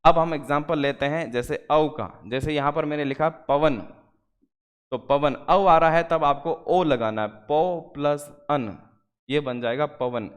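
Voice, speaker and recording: A man teaching an exam-prep grammar lesson, explaining step by step and slowing down to spell out the parts of each word. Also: fairly high pitch, clear, resonant tone, big-room sound.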